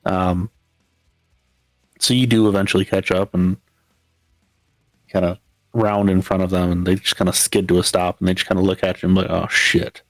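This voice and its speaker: A man's voice: low-pitched, level tone, moderate pace, pauses often, no room sound, soft background music, low-quality recording. A man narrating a tabletop role-playing game as storyteller, rambling with many fillers. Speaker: game master.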